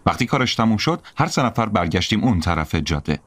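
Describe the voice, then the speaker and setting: Low-voiced expressive male storyteller. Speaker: narrator. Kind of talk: audiobook narration.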